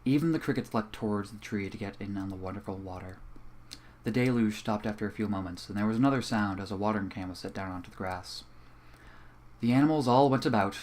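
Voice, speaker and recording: A young man reading a fan story aloud in a calm, even way at a home microphone. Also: on the low side, fast. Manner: casual and profane in the intro, then calm and even while reading. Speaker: fanfiction reader. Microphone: home computer microphone.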